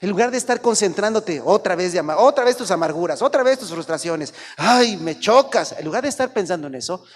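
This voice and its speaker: A man preaching a sermon as pastor, acting out little dialogues in animated voices that rise to shouts. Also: high voice. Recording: long hall reverb.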